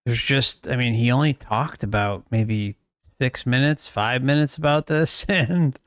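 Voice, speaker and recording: Man, livestream host, slow pace, smooth clear voice, dry sound, earnest, questioning, unscripted. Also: mid-range voice, fairly bright tone, dry recording. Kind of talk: casual unscripted commentary.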